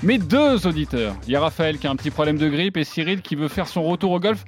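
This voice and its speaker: A man hosts a golf talk show with a fairly high voice. He presents in a lively, scripted way, with faint music behind him. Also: fast talker. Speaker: podcast host.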